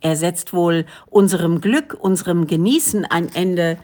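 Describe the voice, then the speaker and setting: A woman's voice: lowish voice, unhurried, dark tone, lightly acted. A woman reading the part of a doubting male villager who reasons in a matter-of-fact way. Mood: reasoning.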